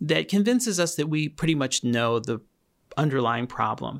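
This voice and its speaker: This man has an ordinary speaking voice with a fairly high pitch. He talks at a fairly quick pace with lively intonation. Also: very clean recording, silent background. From Queens, New York. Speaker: physician and public health professor. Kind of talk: interview.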